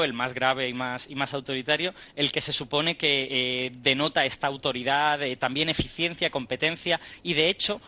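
A man's voice: a little high, pushed and bright. A man on a radio show, explaining a study and quizzing the hosts. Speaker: science guest.

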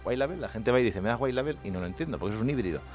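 A man from Spain with a Spanish accent, delivering an animated, jokey comic monologue on a radio show. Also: medium pitch, racing, highs cut off, faint music behind. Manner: animated, jokey, acts out quoted voices. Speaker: comedian with a radio segment. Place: radio studio.

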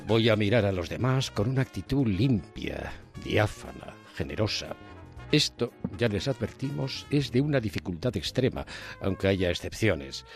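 A man reads a scripted radio column with dry, ironic humor. His voice is very deep yet swings widely in pitch, with faint music underneath. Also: sing-song, normal speed. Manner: ironic, wry, dryly humorous. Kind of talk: scripted opinion column read on air.

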